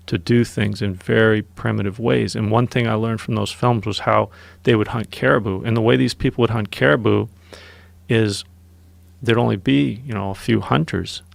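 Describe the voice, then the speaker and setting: Man, gravelly voice, dry studio sound, casual storyteller, podcast guest. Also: lowish voice, no echo. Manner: animated, recounts outdoor hunting experiences.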